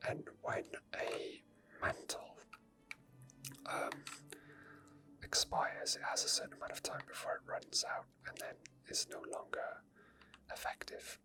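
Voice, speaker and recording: A person whispering unscripted ASMR gameplay commentary in a soft, breathy, unhurried way, thinking aloud. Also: mid-range voice. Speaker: gaming ASMR video creator.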